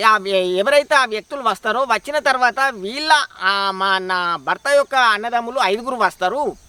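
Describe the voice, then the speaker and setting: A man's voice: high-pitched, normal speed, pushed and bright, smooth, no echo. Man voicing a pleading Telangana village wife. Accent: Telangana Telugu. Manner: pleading, insistent.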